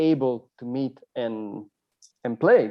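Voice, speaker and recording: He speaks with an Italian accent at medium pitch. The pitch variation is ordinary. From Italy. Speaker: podcast co-host. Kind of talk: casual chat. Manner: halting, many repetitions.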